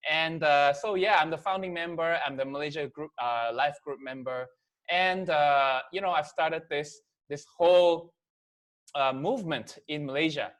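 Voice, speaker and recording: A man in his thirties, raised in Korea with Korean as his first language, walks viewers through a slide presentation. His delivery is casual and chatty, leaning on fillers and frequent "okay?" checks. His voice sits slightly high for a man. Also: normal speed, fairly bright tone. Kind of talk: business presentation to camera.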